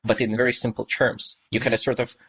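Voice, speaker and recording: A man's voice: mid-range voice, level tone, fast, fairly bright tone, slightly rough. A man in his thirties from Estonia, a native Russian speaker, talking as a podcast guest in a thoughtful, meandering way with many fillers. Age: 30s. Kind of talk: casual podcast conversation.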